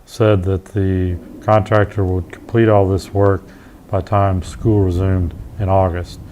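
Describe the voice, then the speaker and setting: A man's voice: low-pitched, little pitch movement, measured pace, dark tone, a little hiss or hum. A man giving a plain interview statement as an administrator.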